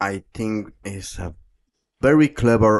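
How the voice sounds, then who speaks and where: A man with a fairly low pitch and a non-native accent, at a very slow pace, against a quiet background. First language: not English. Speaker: podcast co-host, technical professional. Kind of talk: casual chat. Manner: halting.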